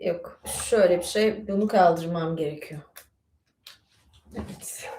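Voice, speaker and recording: A woman's voice: on the low side, a little slow, background noise. Chatty woman streaming in an echoey room. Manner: chatty, rambling, many fillers and asides. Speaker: livestream host. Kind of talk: casual livestream chat.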